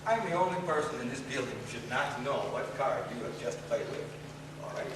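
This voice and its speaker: A man playing a brash, shady Russian gypsy carnival magician, with a Russian accent and deadpan, mock-formal broken English, doing vaudeville comedy patter on stage. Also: medium pitch, fairly quick, natural voice. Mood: instructing, sly. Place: large theater stage. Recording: echoey theater, distant mic, noisy.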